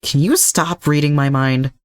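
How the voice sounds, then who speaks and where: Man voicing a snarky, agitated young captive hero, pitched up. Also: unhurried, clean tone, dry recording, studio quality, lightly acted. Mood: angry, accusing. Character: defiant, sarcastic young male hero held captive.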